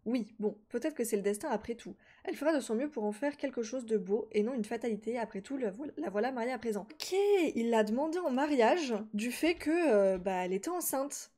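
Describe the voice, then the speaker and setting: A woman's voice: fairly high pitch, warm tone. Chatty young woman gaming. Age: 20s. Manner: chatty, talks to her game characters and viewers; quick exclamations of delight and confusion. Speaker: gaming YouTuber. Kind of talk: casual Let's Play commentary.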